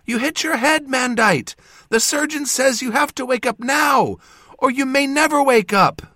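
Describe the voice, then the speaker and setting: A man's voice: very high-pitched, wildly swooping pitch, takes it slowly, fairly bright tone, dry recording, studio quality, pitched above the performer's own voice, heavily acted. A man voicing an anxious young woman aboard ship in an audiobook, with a piercing, urgent, fretful delivery. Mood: tearful, urgent. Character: anxious young female shipmate, piercing and tearful. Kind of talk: audiobook character voice.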